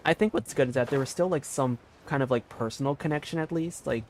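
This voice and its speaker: A man's voice: mid-range voice, quick pace, a little hiss or hum. A man giving casual live gaming commentary as a streamer, informal and thinking aloud in a meandering way. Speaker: game streamer.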